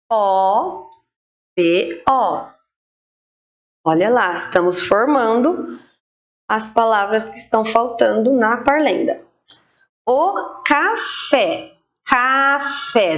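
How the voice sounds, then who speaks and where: A woman teacher giving an online literacy lesson to children, spelling words out slowly and clearly syllable by syllable. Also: medium pitch, highs cut off.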